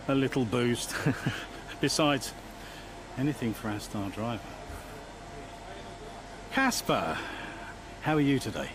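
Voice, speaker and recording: An actor playing a chummy, smooth-talking racing team boss in a video game cutscene, breezy and a little patronising. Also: male voice, medium pitch, animated, slow, pauses often.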